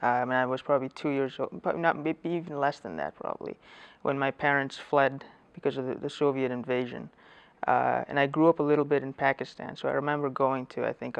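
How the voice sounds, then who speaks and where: A man's voice: medium pitch, creaky. A man from Afghanistan, a native Dari speaker, talking in an interview about growing up, hesitant with frequent restarts and self-corrections. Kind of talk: reflective personal storytelling. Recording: dull lo-fi audio.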